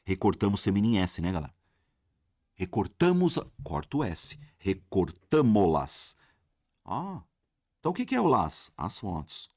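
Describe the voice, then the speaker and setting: A man with a Brazilian Portuguese accent teaching a lively exam-prep grammar lesson, talking straight to his viewers and asking himself questions. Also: fairly low pitch, measured pace, no room sound, studio quality. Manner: animated, addresses viewers as "galera", asks himself questions.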